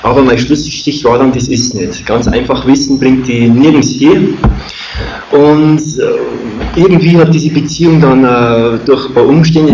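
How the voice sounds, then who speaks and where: Austro-Bavarian man in a muffled, echoey recording. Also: medium pitch. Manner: rambling, halting, colloquial. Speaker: speaker telling a personal testimony. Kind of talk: informal personal storytelling. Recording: muffled, echoey room with clear noise.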